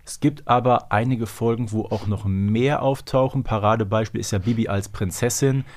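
A man's voice: lowish voice, normal speed, darkish tone. A man co-hosting a casual podcast discussion, explaining things in detail in a conversational way. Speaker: podcast co-host.

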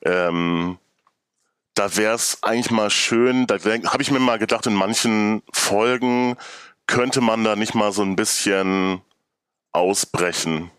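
A man's voice: lowish voice, fairly even intonation, slow, a bit bright, smooth, dry recording, clean studio sound. A man talking casually as a podcast guest, somewhat hesitant as he thinks aloud. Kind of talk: casual conversational talk.

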